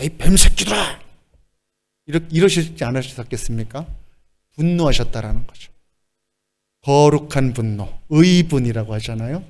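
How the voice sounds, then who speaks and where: A male pastor preaching a sermon in a lively way, acting out quoted lines and laughing as he goes. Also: mid-range voice.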